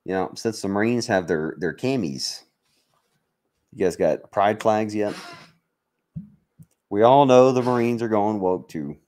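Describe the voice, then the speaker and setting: American guy from mississippi on a livestream, lowish voice, swears a lot, blunt jokey chat. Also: a little slow, pauses often, a little mellow. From Mississippi, United States. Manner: blunt, profane, joking banter. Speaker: livestream host, military veteran. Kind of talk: casual livestream chat with viewers.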